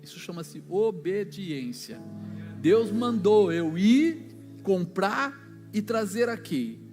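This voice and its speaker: A man's voice: sits high, expressive, slow, a little mellow. A man with a Brazilian accent preaching a sermon, telling stories in a loose, colloquial way and acting out the dialogue. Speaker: pastor. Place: church. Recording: long church hall reverb with music behind.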